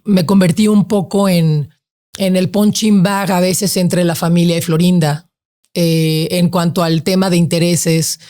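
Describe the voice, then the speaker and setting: A woman in her forties with a Mexican accent, a podcast guest telling a heartfelt story in lively, slangy talk full of fillers. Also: lowish voice. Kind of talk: emotional storytelling.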